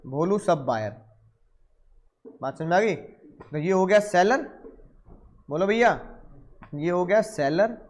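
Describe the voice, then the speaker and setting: A man with a fairly high voice teaches a law lecture, firing questions at the class. He slips into quick acted exchanges between buyer and seller to make the point. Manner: lively, questions the class and acts out little dialogues.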